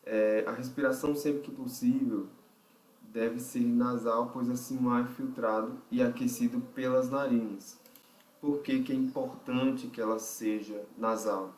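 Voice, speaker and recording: A man's voice: medium pitch, fairly even intonation, measured pace, darkish tone, a little hiss or hum. A man with a Brazilian Portuguese accent teaching a vocal technique lesson. He explains step by step, thinks aloud and keeps checking in with the listener. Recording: roomy, distant mic.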